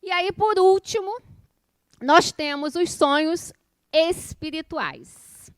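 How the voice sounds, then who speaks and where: A woman's voice: very high voice, slow pace, no echo, studio quality. A woman in her forties with a Brazilian accent from Rio, giving an informal lecture in a colloquial, conversational way, often checking in with her listeners through questions. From Rio de Janeiro, Brazil. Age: 40s. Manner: conversational, colloquial, personal storytelling. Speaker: spiritist course lecturer.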